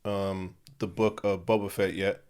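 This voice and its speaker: A man's voice: sits low, level tone, measured pace, darkish tone, smooth. A young man co-hosting a podcast, chatting casually in a laid-back, slangy, joking way. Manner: laid-back slangy banter, jokey asides. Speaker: podcast co-host. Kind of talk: casual chat.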